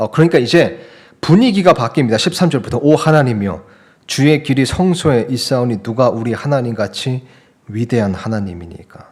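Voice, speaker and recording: A man talks at medium pitch and a fairly quick pace with lively intonation. It is an ordinary speaking voice. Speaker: pastor. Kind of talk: sermon.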